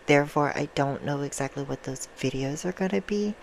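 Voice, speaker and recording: A soft-spoken woman chatting casually and affectionately to her viewers in an ASMR style, with an informal, self-deprecating manner. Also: low voice, fairly quick, creaky, a little hiss or hum. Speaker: ASMR video creator and host.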